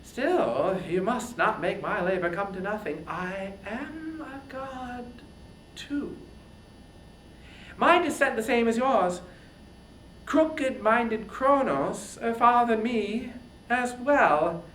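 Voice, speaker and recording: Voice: medium pitch, takes it slowly, fairly bright tone, roomy sound, slight background noise, voice pushed up, low-quality recording. A performer voicing a wily, imperious queen of the gods, theatrical and coaxing, in an epic poetry reading. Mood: indignant.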